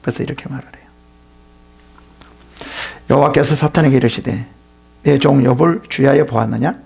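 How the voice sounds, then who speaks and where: Raspy, gravelly male pastor preaching. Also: medium pitch, moderate pace. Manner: animated preaching that swings from loud to whispered. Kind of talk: sermon.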